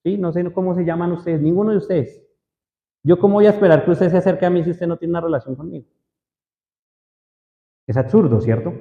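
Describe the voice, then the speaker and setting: Preacher, male, fairly high voice, questions the crowd often; dull recording in an echoey hall. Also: a little fast, pauses often. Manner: asks the audience frequent questions. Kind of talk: sermon to a congregation. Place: church hall. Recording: roomy hall echo, dull lo-fi sound.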